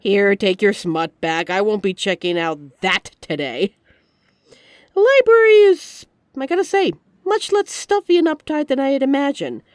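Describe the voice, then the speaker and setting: Woman acting a high-voiced, teasing mafia boss lady. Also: normal speed, no room sound, studio quality, close to an everyday voice. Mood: teasing, curious. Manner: teasing, smug, chatty, addresses listener directly. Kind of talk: scripted ASMR-style roleplay audio drama.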